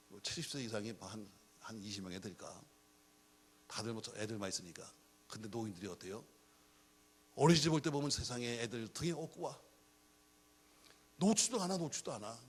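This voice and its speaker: A man's voice: fairly low pitch, a little hiss or hum. A middle-aged man preaching a sermon as a pastor, telling jokey stories and acting out the dialogue. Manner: animated, jokey storytelling with acted-out dialogue.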